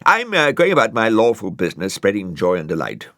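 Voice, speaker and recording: A man's voice: lowish voice, huge pitch swings, a little fast, a bit bright, no room sound, studio quality, pitched above the performer's own voice, full character voice. A man voicing a chirpy, cheeky snail in a storybook reading, chatty and jaunty. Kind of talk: storybook character voice.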